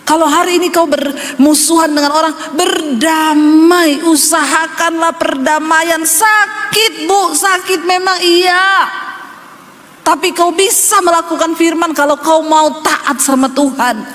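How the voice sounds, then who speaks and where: Woman pastor, high voice, emphatic testimony sermon, echoing hall. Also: a bit bright. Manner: emphatic, conversational, testimony-driven, calls to the congregation. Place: church hall. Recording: reverberant church hall, faint noise.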